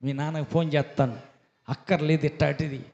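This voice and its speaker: A male preacher voicing a suspicious, angry husband who shouts and scolds his wife. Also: a little high, level tone, a little fast, vocal fry. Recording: dull echoey hall recording.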